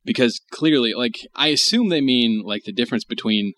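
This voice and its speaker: A man hosts a loose comedy podcast, reading news items aloud and riffing on them with crude humor. He keeps breaking into chuckles, and his voice sits at an ordinary middle pitch. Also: fairly quick, a bit bright. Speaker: podcast host. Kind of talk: casual comedy podcast chat.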